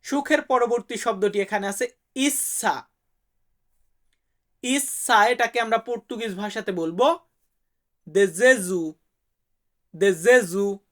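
A man's voice: very high-pitched, measured pace, long pauses, fairly bright tone. A man from Bangladesh, teaching vocabulary to viewers and repeating each word so they can say it back. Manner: friendly, calls viewers brother. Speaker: language teacher.

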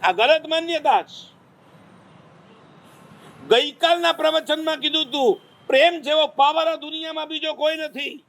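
A man preaching a sermon, telling lively stories and teasing the audience with questions. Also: extremely high pitch, a little slow, creaky, long pauses. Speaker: Jain monk preacher.

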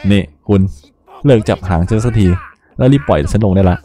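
A man's voice: on the low side, fairly quick, dark tone, lightly acted. A man reading the lines of a small, proud male dog creature in a game story, snapping back with indignant, scornful retorts.

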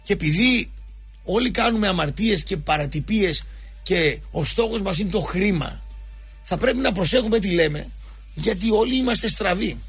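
A man with a very husky, gravelly voice holds forth on a sports show. He talks in an emphatic, colloquial way, full of restarts and mock quotes, and faint music plays behind him. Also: sits high, expressive, fairly bright tone. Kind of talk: rambling football commentary monologue.

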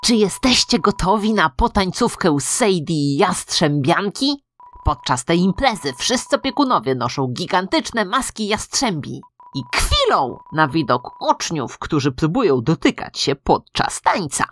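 Low-voiced woman narrating a video game. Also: big pitch swings, a little slow, fairly bright tone, slight background noise. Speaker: let's play narrator. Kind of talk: scripted narration of game text.

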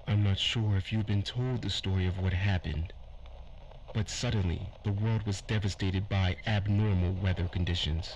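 Noisy background, guy playing a low-voiced weary survivor, grave and halting, audio drama. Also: fairly even intonation, a little mellow, muffled recording. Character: weary male survivor of an apocalypse, earnest, solemn. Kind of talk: post-apocalyptic audio drama monologue, recorded-log style. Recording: noisy ambience behind the voice.

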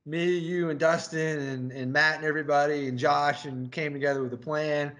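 A man's voice: fairly high pitch, fairly even intonation, moderate pace, a bit bright. A man, a crew chief, chatting casually with his race engineer and telling a rambling story with laughter. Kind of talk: casual chat interview.

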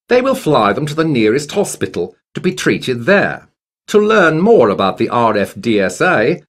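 Husky male textbook narrator. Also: medium pitch. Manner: measured, informative. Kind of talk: scripted narration.

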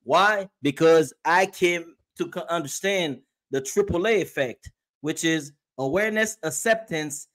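A man's voice: a little high, a little slow. A middle-aged man from Haiti, a guest and emotional health coach, chatting earnestly on a video call. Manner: earnest, animated storyteller. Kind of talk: casual chat on a video call. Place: small room at home. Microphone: video call webcam.

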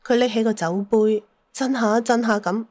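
A woman's voice: on the high side, steady tone, moderate pace, darkish tone. A woman telling a dramatised story as an audiobook narrator, with a Cantonese accent.

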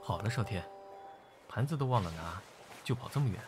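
A man playing a calm, courteous, gently chiding young man in an amateur radio drama. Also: fairly low pitch, fairly quick, noisy background, natural voice. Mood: composed. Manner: composed, courteous.

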